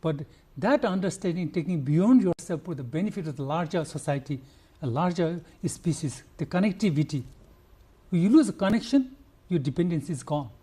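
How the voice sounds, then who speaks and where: The conservationist guest, an older Nepali man, has a somewhat high, expressive voice that is mellow with a slight roughness. He answers earnestly in a Nepali accent, pausing with fillers and starting over.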